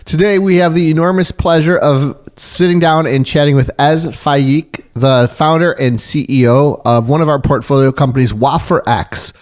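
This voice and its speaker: An American man hosting a podcast interview, upbeat and quick with enthusiastic interjections. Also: a little high, fairly even intonation. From United States. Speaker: podcast host.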